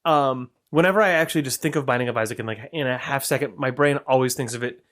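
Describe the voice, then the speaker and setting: A man's voice: mid-range voice, quick pace, a bit bright. A man co-hosting a casual podcast chat, thinking aloud and asking questions as he goes. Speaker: podcast co-host.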